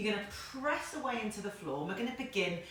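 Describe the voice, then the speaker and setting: Loud and fairly high-pitched, a woman speaks in a southern English accent with very wide pitch swings. Noticeable background noise and audible room echo are present. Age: 50s. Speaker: fitness instructor. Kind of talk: live fitness class instruction. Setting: live-streamed class, no microphone. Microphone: no microphone used.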